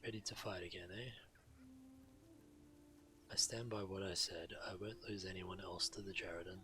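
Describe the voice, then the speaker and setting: Deep, forceful tribal walrus hunter. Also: male voice, fairly even intonation, moderate pace. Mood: resolute. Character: proud, grave walrus-folk tribal hunter and chieftain. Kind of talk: video game character dialogue.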